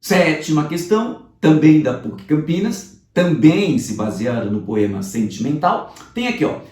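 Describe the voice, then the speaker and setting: Lively teacher, roomy and distant. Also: male voice, mid-range voice, a little slow. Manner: lively, conversational, talks to students directly. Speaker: literature teacher. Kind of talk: commented exam review lesson. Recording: roomy sound, voice off-mic.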